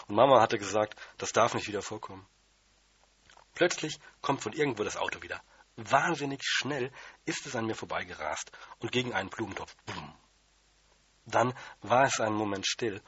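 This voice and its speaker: A man reads a children's story aloud in the first person, keeping his delivery plain and childlike. His voice is husky with a bright, forward edge and sits fairly low. The recording sounds dull and lo-fi, close and dry. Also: normal speed. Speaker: audiobook reader.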